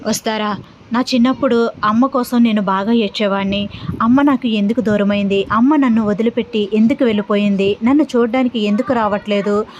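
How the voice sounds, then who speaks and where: A woman's voice: on the high side, brisk, darkish tone, dull audio, slight background noise, close to an everyday voice. A woman reading the lines of a grieving, bitter young man in a storybook tale.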